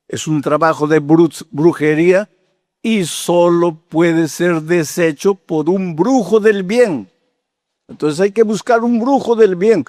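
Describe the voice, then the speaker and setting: A man's voice: on the high side, a little mellow, dry recording, clean studio sound. Fervent eighty-year-old man preaching. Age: 80s. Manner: storytelling preacher, acting out dialogue, rising to fervent exhortation. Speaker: pastor. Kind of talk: sermon.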